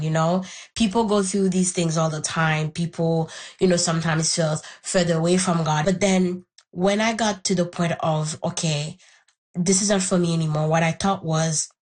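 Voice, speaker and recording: A young woman from Haiti whose first language is Haitian Creole, thoughtfully telling her own story as an interview guest and searching for the right words. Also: on the low side. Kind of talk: reflective personal story.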